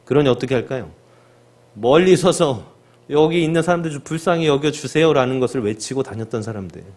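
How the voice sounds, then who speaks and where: A male pastor preaching a sermon, often asking the congregation questions and loudly acting out the cries of the sick. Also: medium pitch. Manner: asks the congregation rhetorical questions and acts out the lepers' cries.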